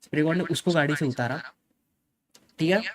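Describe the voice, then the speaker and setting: A young man with a slightly higher voice speaks straight to his viewers in a casual way. His talk is emphatic and insistent, switching into English phrases mid-sentence. He keeps coming back to "okay" to push his point. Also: brisk, crowd noise. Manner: mixes Hindi with English phrases. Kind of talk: casual spoken account to viewers.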